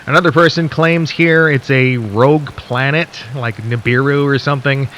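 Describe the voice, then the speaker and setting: A man playing a folksy late-night radio DJ in a radio drama, speaking intimately and conversationally to listeners with theatrical pauses and a skeptical, intrigued air. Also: mid-range voice, fairly bright tone, dull audio, a little hiss or hum, lightly acted. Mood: wry, skeptical. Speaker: radio host.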